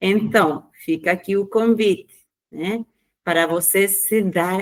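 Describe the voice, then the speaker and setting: A woman speaks very slowly in a Spanish accent. Her medium-pitched voice stays fairly even in intonation. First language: Spanish (speaking Portuguese). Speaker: spiritual study group leader. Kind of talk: devotional talk to study group.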